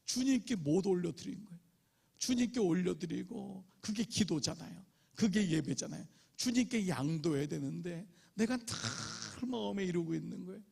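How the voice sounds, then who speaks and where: Gravelly husky Korean pastor preaching. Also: male voice, high-pitched, animated, moderate pace, darkish tone. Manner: emphatic preaching with acted quotes. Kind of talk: revival sermon. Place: church sanctuary.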